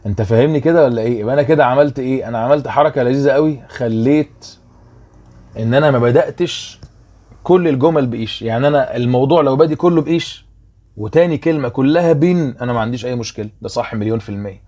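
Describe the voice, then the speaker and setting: A man's voice: medium pitch, fast, warm tone. Chatty Egyptian male language teacher. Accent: Egyptian Arabic. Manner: chatty, keeps checking if students follow. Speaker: German teacher. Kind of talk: explaining a worksheet.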